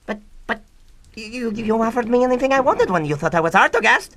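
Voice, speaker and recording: An actor, a man, playing a petulant young mad scientist villain with a pompous, excitable delivery in a comedic radio drama. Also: very high voice, fairly quick, dry recording, exaggerated voice. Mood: indignant, flustered. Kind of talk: comedic old-time radio drama acting.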